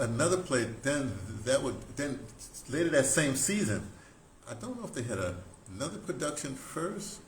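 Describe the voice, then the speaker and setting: An elderly man with a low voice, reminiscing casually about his past work. He wanders off and circles back, halting and then stressing his point firmly. The recording is quite echoey, with faint noise behind him. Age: 70s. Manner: digressive, halting, emphatic. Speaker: audio dramatist recounting theater history. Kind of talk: informal rambling storytelling to camera. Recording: roomy echo, background noise.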